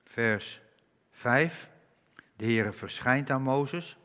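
A man preaching a sermon, reading scripture slowly and with emphasis and rising on key words. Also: mid-range voice, fairly bright tone, smooth. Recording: reverberant hall.

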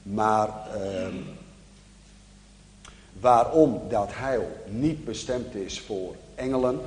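A male preacher gives a sermon, explaining scripture in a calm, measured teaching voice. He speaks slowly and deliberately, at a mid pitch. The sound is roomy, with a long hall reverb trailing each phrase.

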